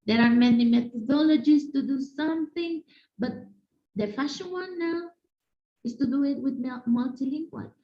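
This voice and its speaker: A woman teacher from Mexico with a Mexican Spanish accent, giving an animated online conference talk and speaking directly to her audience. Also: sits high, moderate pace. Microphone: video call. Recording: echoey room, dull lo-fi sound.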